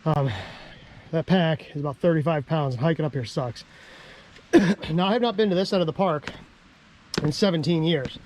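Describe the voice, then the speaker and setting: An American man, out of breath after a hike, vlogging outdoors in a chatty, self-deprecating way and clearing his throat often. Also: fairly high pitch, normal speed, long pauses, a little mellow. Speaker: ham radio vlogger. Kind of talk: casual outdoor vlog. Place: outdoors on a dam in a park.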